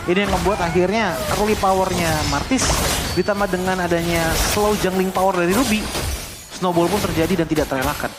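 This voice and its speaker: Indonesian accent, esports analyst, rapid pace, live game commentary, clear music underneath. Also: medium pitch, steady tone. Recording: loud music behind the voice.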